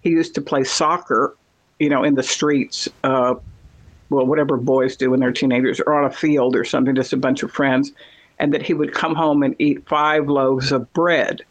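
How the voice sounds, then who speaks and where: A man's voice: medium pitch, level tone, moderate pace, poor audio. A man chatting casually, rambling through stories with many fillers. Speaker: conversation partner. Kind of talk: casual chat.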